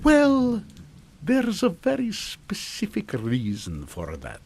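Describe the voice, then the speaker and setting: An actor playing a boastful, theatrical mad scientist in a comic radio drama, with grandiose, drawn-out dramatic delivery. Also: male voice, high-pitched, wildly swooping pitch, vocal fry, darkish tone, slight background noise, exaggerated voice. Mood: dramatic revelation. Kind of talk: melodramatic radio comedy acting.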